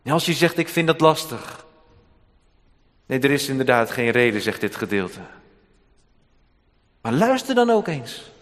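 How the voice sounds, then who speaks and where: A man preaching a sermon, swinging between hushed, slow passages and loud, emphatic ones. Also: mid-range voice, sing-song. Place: church hall. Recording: long church reverb.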